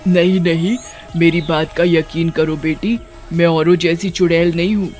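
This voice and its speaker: एक औरत की आवाज़ में नदी की दयालु बूढ़ी चुड़ैल. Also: female voice, fairly low pitch, steady tone, normal speed, faint music behind, close to an everyday voice. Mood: gentle. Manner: gentle, soothing. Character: kindly old female river witch. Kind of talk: children's storybook voice acting.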